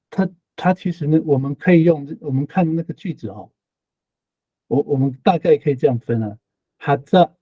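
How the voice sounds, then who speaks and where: Husky-voiced man teaching patiently. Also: medium pitch, no room sound, lo-fi sound. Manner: patient explaining, repeats phrases, frequent tag particles. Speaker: language teacher. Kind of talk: online language lesson.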